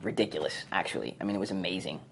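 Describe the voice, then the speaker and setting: A man, a former sitcom actor, telling stories in an interview, animated and full of fillers. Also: deep voice, gravelly, very noisy. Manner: fast, animated storytelling with many fillers. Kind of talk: retrospective interview.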